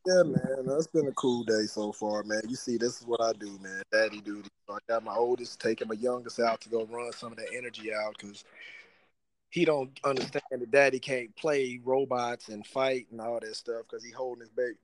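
A man in his thirties co-hosting a casual podcast, joking and bantering in relaxed slang. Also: medium pitch, moderate pace, slight background noise. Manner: laid-back slangy banter with laughs. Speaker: podcast co-host. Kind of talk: casual chat.

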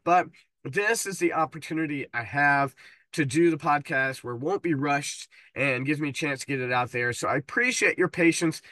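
A man's voice: a little high, sharp tone, dry recording. Stuffy-voiced man hosting a podcast. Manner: stumbles over words now and then. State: stuffed-up head cold. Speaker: podcast host. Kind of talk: casual solo podcast talk.

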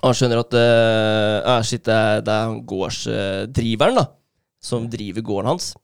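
A man retelling a story in casual podcast chat, lively and full of fillers and laughs. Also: fairly low pitch, smooth, no room sound, studio quality. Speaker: podcast co-host.

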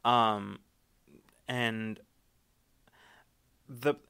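A man's voice: mid-range voice, fairly even intonation, very slow, vocal fry, pushed and bright, smooth. A man narrating as game master of a tabletop game, rambling with fillers and restarts.

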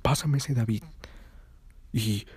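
A man's voice: mid-range voice, slow, darkish tone, husky, no room sound. A man voicing a jealous, possessive young boyfriend who fires off the same demanding questions again and again. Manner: insistent, interrogating, repeats questions.

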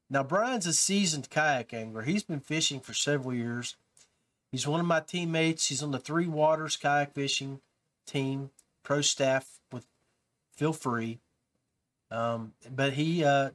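A man hosts a podcast in a relaxed, rambling way, with fillers and restarts. His voice sits a little high for a man. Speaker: podcast host. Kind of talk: casual podcast talk.

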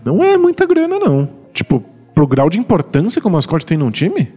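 Husky guy joking around on a podcast, voice jumps all over, roomy with some music. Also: on the high side, fairly quick. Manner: animated, jokey banter. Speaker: podcast co-host. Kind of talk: casual podcast chat.

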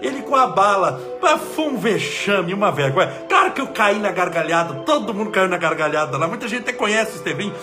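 A man, an energetic spiritual leader giving an emphatic inspirational talk and leading prayer. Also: sits high.

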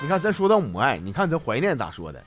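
A man's voice: mid-range voice, huge pitch swings, quick pace. A man with a Northeastern Mandarin accent hosting a comedy show, telling listener jokes in a playful, teasing, laughing manner. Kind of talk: comic storytelling, reading jokes. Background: background music.

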